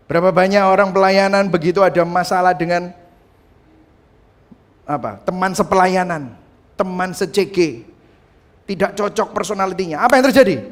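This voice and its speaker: A man preaching a sermon as pastor, animated, asking the congregation rhetorical questions and acting out quotes. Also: high-pitched.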